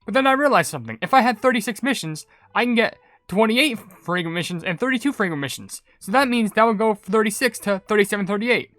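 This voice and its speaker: A man giving excited, casual game commentary in a rambling, emphatic way as a video creator. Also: high-pitched, quick pace, few pauses, dry recording.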